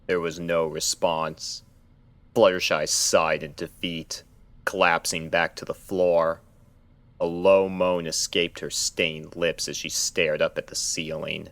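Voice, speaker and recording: A man narrating a scripted horror story in a measured, dramatic storytelling manner. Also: low voice, little pitch movement, fairly bright tone, dry recording. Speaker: narrator of fan fiction readings.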